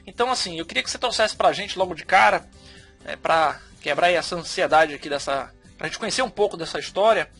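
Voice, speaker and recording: A man's voice: high-pitched, lively intonation, quick pace, vocal fry, bright, forceful tone, faint music behind. A male podcast host who introduces the guest and steers the interview in an enthusiastic, emphatic way.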